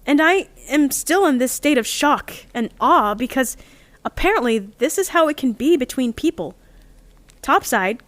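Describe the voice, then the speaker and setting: A fairly high young female voice from an actress, recorded close and dry. She is an earnest, lovestruck heist-crew member in an audio drama. Her delivery is heartfelt and confessional, laying her feelings bare. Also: no room sound, natural voice. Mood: wistful, hopeful. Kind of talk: audio drama monologue and dialogue.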